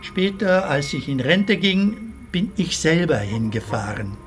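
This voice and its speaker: A man's voice: a little high, big pitch swings, measured pace, faint music behind. An actor playing a proud retired plasterer in his seventies in a radio play, telling his family's war story earnestly. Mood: somber. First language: Italian.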